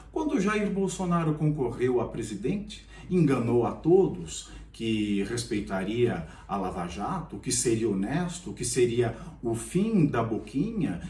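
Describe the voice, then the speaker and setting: Man, Brazilian Portuguese accent, sarcastic theatrical storyteller, political commentary, fairly high voice, lively swooping pitch, echoey room, distant mic.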